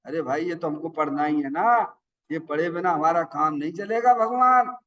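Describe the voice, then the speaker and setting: A man's voice: fairly high pitch, moderate pace, a bit bright. A man giving a sermon in a folksy, chatty way, often asking the listeners whether they understood. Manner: folksy, asks the audience questions. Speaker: Jain preacher. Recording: dull sound from far off the mic.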